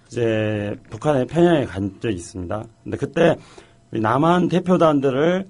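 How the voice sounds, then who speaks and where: A man's voice: medium pitch, lively intonation, normal speed, darkish tone. A middle-aged man as a talk show guest, telling stories in a joking, self-deprecating way. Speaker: guest, policy director.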